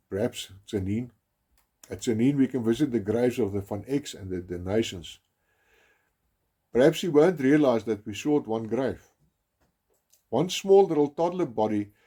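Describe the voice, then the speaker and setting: A South African man with Afrikaans as his first language narrates a documentary in a solemn, measured way. His voice is dark, mellow and a little husky, and he leans hard on key words. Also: medium pitch. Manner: grave, measured, with emphatic stresses and some restarts.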